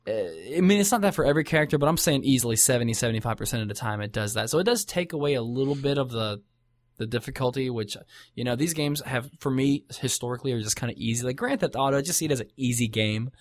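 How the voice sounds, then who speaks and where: A man's voice: mid-range voice, expressive, fast talker, dry recording. A man co-hosting a casual chat about games, rambling with many fillers and restarts.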